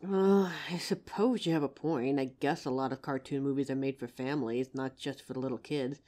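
A woman voicing a gentle young female werewolf girlfriend in an audio roleplay, speaking tenderly and slowly through a grounding exercise. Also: very deep voice, fairly even intonation. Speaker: voice actor.

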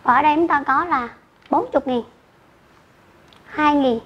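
High-voiced woman teaching math slowly. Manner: slow, careful, spells out numbers digit by digit. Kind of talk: online math lesson for children. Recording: dull lo-fi recording with faint noise.

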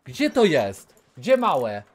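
A man in his thirties streaming a game from a small room on a headset mic, talking casually, cursing and yelling at the game, sometimes dropping to a whisper. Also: a little high, takes it slowly. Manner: excitable, swears, yells at the game, then drops to a whisper. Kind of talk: casual live gameplay commentary.

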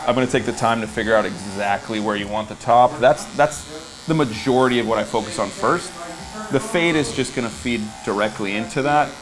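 A male barber talks through a haircut in an easy, step-by-step way. His voice is an ordinary middle pitch, and he speaks in a barbershop. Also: a little fast, poor audio. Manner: relaxed, explains step by step. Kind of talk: casual explanation while cutting hair. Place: barbershop, indoors.

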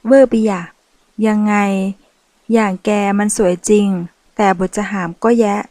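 A woman's voice: medium pitch, fairly even intonation, a little slow, mellow, no room sound, close to an everyday voice. A woman reading a novel aloud, voicing a sassy, boastful transgender woman who manages loans at a bank. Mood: brash. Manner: brash, teasing, boastful.

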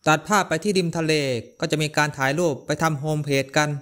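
A man casually recapping an anime's plot, with brisk, chatty, slangy asides. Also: fairly high pitch, fairly even intonation, background noise.

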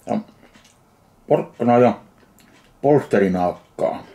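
Gravelly deadpan man reviewing food. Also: mid-range voice. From Finland. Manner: slow, dry, deadpan commentary between bites. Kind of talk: casual food tasting review.

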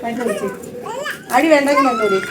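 High-voiced mother coaxing a child. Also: huge pitch swings, fast talker, recorded from a distance. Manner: coaxing and scolding a small child. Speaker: mother and vlogger. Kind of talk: casual home vlog. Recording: loud background noise.

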